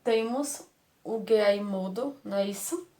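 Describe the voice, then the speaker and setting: A woman's voice: medium pitch, unhurried, dark tone. A Brazilian woman teaching a lesson to young children, affectionate and patient, repeating words and asking rhetorical questions. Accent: Brazilian Portuguese.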